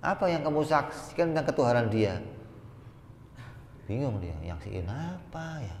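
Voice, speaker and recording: A man giving an Islamic study lecture in a conversational way, often firing rhetorical questions at his listeners and chanting lists of terms in a steady cadence. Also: mid-range voice, a little slow. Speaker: religious teacher. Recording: echoey hall with faint background noise.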